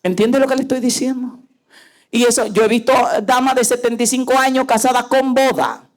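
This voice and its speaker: A woman's voice: fairly high pitch, fairly even intonation, fairly quick. A woman pastor preaching a sermon, emphatic and full of rhetorical questions to her listeners.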